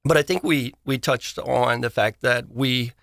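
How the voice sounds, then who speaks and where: A man's voice: medium pitch, steady tone, measured pace, creaky, fairly bright tone, dry recording, studio quality. A man speaking casually on a talk show, hesitant and feeling his way through his sentences. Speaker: panel participant introducing a guest.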